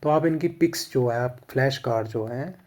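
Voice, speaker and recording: A man's voice: mid-range voice, normal speed, a little mellow. Indian man explaining a lesson plan. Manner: repeats "theek hai" to check understanding. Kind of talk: casual instructional explanation mixing Hindi and English.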